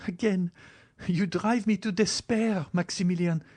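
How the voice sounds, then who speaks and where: A man's voice: high voice, steady tone, a little slow, a little mellow. A man reading a novel aloud, voicing a desperate young woman who pleads and cries out. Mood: pleading.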